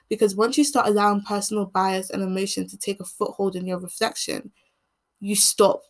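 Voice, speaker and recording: A teenage girl from England hosts a podcast, delivering an earnest, measured, reflective solo monologue in a medium-pitched voice. The longer she talks, the croakier her voice becomes.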